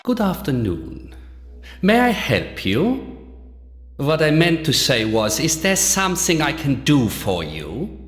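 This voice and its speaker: An actor playing a smug, deranged doctor villain in a video game, with a pompous, over-enunciated, grandiose delivery. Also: male voice, fairly high pitch, wildly swooping pitch, slow, a bit bright, full character voice. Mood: smug, mocking. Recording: echoey reverberant hall, faint music behind.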